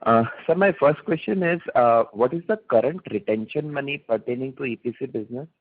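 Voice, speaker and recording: A man's voice: medium pitch, fairly quick. A man with an Indian accent asking financial questions as an analyst caller. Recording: narrow, tinny phone line.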